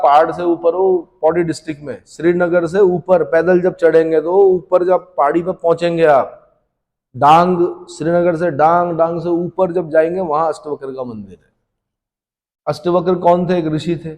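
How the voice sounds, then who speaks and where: A man's voice: fairly high pitch, fairly even intonation, normal speed, darkish tone. A male history teacher, lecturing a class for exam prep and constantly quizzing students, then answering himself. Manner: asks students questions and answers them himself. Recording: long reverberant room echo.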